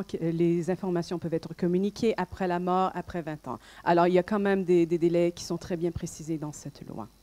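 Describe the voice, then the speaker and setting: A woman's voice: lowish voice, warm tone. A woman from Canada with a Canadian French accent, giving a conference talk with many fillers and restarts. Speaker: speaker at a public debate.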